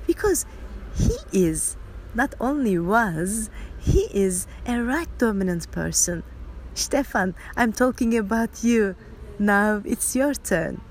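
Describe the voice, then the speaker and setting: A woman's voice: mid-range voice, a little hiss or hum. A woman hosting, introducing the next speaker with enthusiasm and slight hesitations. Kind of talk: warm introduction.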